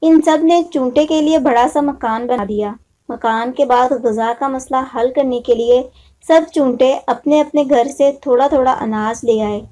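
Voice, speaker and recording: A woman narrates a children's moral tale as a storyteller. Her voice is high-pitched and mellow, reading from a script. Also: measured pace.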